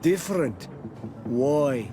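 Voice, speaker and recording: An actor playing a guarded tribal villager in a fantasy game, speaking in terse, deliberate, suspicious phrases. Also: male voice, medium pitch, lively intonation, over music. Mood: wary. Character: guarded, wary male tribal villager and hunter. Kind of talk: scripted fantasy game dialogue.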